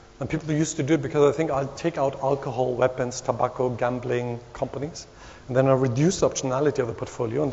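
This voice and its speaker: Someone talks at a very fast pace in a German accent with fairly even intonation, over noticeable background noise. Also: man. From Germany. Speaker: asset management CEO. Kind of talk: conference keynote talk.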